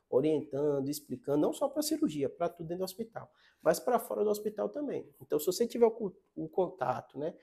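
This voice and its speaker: A man's voice: on the high side, warm tone. A man with a Brazilian Portuguese accent, a neurosurgeon giving health advice in a casual talk to camera, conversational and repeating his points with frequent tag questions.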